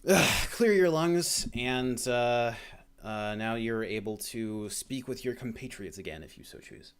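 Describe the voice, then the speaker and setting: A man's voice: medium pitch, expressive, a little slow, clean tone. A man running a tabletop game as dungeon master, describing scenes with many fillers and restarts.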